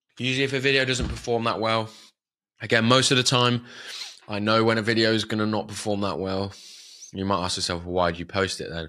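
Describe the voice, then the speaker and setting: Delivered at a very fast pace, the speech is broken by long, frequent pauses. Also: man, fairly low pitch for a man. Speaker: content creator. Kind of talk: interview. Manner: moderate pace, not too quick; fairly monotone.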